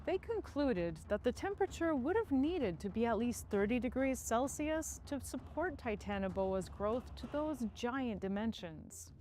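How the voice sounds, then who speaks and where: A woman reading scripted educational science narration in a clear, explanatory manner, as a video narrator. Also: on the high side, darkish tone, a little hiss or hum.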